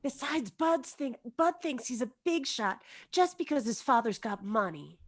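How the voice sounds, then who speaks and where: A woman's voice: on the high side, expressive, measured pace. A woman reading the part of a coquettish, gossipy teenage schoolgirl in a script table read.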